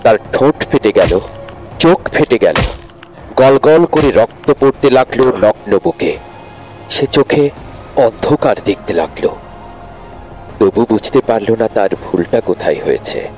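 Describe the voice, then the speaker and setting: A man reads a dramatic story aloud with vivid expression. His fairly low voice moves widely in pitch and climbs as the tension grows. Faint music plays under the narration. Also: animated, measured pace, pauses often, darkish tone. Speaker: audiobook narrator.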